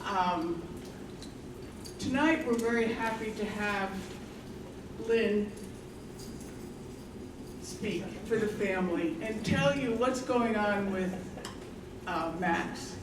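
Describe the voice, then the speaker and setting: A woman's voice: mid-range voice, slow pace, long pauses. A woman informally introducing speakers as host of a live event. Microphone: shared event microphone. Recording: echoey room, distant, clearly noisy.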